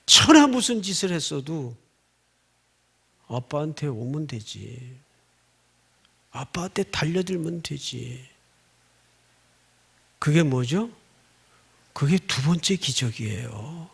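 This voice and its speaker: A middle-aged man delivers a sermon as a story, his voice high and gravelly. He swings from loud outbursts to soft, near-whispered lines, and keeps prompting the congregation for a response. His pitch rises and falls across a lively range. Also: slow, long pauses. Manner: storytelling with dramatic swings, acting out shouts and whispers. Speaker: pastor.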